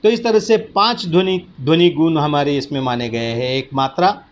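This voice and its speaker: A man teaching a recorded lesson, explaining slowly and patiently and often checking that students have understood. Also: a little high, dull audio. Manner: slow, patient explaining with repeated check-ins. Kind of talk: recorded lecture.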